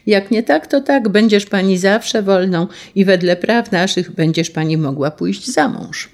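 A sinister army general in a read-aloud story , put on by a woman narrator, coaxing and threatening in a slow, drawling, sing-song way. The voice sits noticeably higher than a plain reading voice and keeps a gravelly edge underneath. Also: lightly acted. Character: sweet-voiced menacing male tsarist general.

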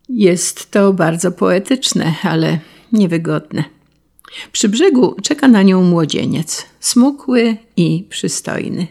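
Woman narrator, story reading, measured and wry, low voice, gravelly fry. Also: a little mellow.

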